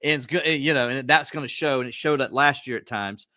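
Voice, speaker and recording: A man's voice: fast, no echo, studio quality. A man hosting a casual sports podcast, talking animatedly and acting out quotes. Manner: animated, acts out quotes with pitch jumps.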